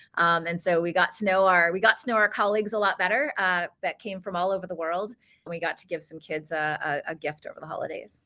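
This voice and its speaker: Speaking very fast with hardly any pauses, a woman with a slight Canadian accent uses a medium pitch, a bright, sharp tone and big swings in loudness on a very clean recording with a silent background. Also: ordinary pitch variation. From Canada (Calgary, Alberta). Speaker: marketing executive. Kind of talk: podcast interview. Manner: conversational.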